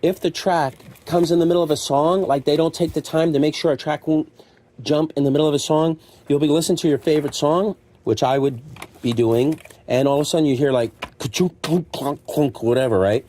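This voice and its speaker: A man's voice: a little high, steady tone, fairly quick, mellow. A middle-aged man chatting casually and rambling along in a conversational, self-deprecating way, like a shop owner talking to viewers. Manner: conversational, self-deprecating, acts out imagined remarks. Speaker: secondhand store owner showing stock. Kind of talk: casual, rambling chat to camera. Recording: clear background noise with clicks.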